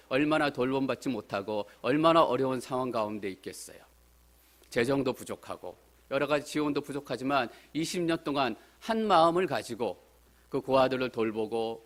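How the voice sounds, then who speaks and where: A man preaching a Sunday sermon as a pastor, earnest and building to emphatic appeals. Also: medium pitch. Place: church sanctuary.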